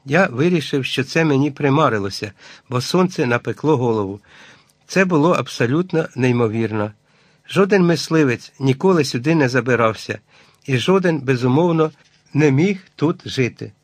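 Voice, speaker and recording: A man reading a first-person adventure novel aloud as scripted audiobook narration, measured and even. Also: mid-range voice, no echo, clean studio sound.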